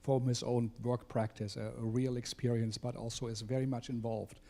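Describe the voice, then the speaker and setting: A man hosting and introducing an evening talk event, speaking in a halting way with many fillers. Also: mid-range voice, level tone, warm tone. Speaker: event host. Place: theater event space.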